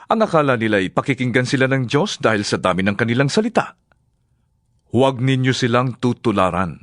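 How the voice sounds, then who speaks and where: A man with a Filipino accent playing a solemn, earnest religious teacher in a dramatized scripture reading, with measured, declamatory delivery. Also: mid-range voice, no echo, studio quality, natural voice. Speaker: voice actor.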